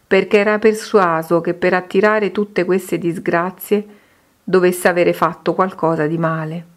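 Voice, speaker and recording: A woman reading a Christian devotional book aloud in a steady, measured way. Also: mid-range voice. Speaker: reader.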